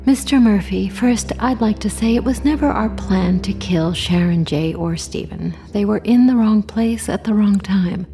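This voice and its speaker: A woman playing a sinister monster in human guise, calmly menacing and measured, in a horror audio drama with a half-whispered delivery. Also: medium pitch, faint music behind, natural voice. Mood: cold, controlled. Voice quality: breathy, husky, half-whispered. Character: cold, sinister female monster disguised as human conspirator.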